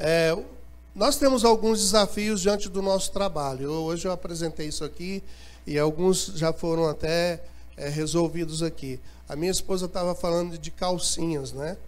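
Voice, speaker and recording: Pitch moves in an ordinary way as the words come at a moderate pace. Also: man, high pitch for a man. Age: 50s. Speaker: missionary. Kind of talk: missionary presentation.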